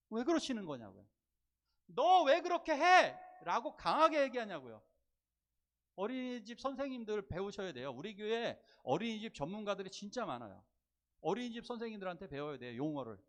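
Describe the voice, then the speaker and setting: Male pastor, slightly high and very animated delivery, sermon with acted asides. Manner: animated, acts out quoted voices, asks the congregation questions. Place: church sanctuary.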